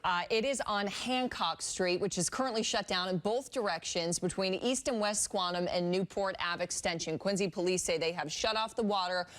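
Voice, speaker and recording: A woman's voice: medium pitch, normal speed, few pauses, a bit bright. A woman with an American accent delivering news and traffic updates as a broadcast anchor.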